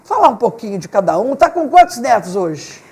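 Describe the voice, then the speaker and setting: A woman's voice: fairly high pitch, sing-song, a little fast, darkish tone, slightly rough. A woman hosting a local TV talk show, effusive and complimentary as she introduces and questions her guest. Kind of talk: warm effusive TV interview.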